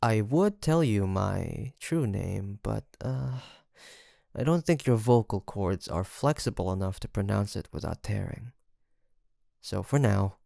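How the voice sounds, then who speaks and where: A man's voice: fairly low pitch, vocal fry, a little mellow, no room sound, clean studio sound, exaggerated voice. A man playing a seductive, teasing incubus demon in an intimate audio roleplay, with a theatrical, flirtatious drawl and a smug, sweet-talking manner. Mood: teasing, amused.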